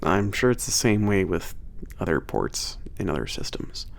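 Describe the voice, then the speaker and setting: A man playing a laid-back, cocky werewolf trainer at a spaceport in an ASMR roleplay, talking casually with teasing, swearing and halting phrases. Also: deep voice, very animated, gravelly, full character voice. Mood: relaxed, fond. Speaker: trainer showing a new hire around. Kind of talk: ASMR roleplay, casual one-sided conversation.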